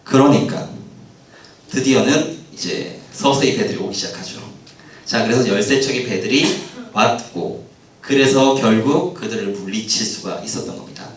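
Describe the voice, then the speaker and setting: A man giving a lively history lecture, who asks the audience questions and acts out the lines of the people in his story. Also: medium pitch, normal speed. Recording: roomy hall sound, mic at a distance.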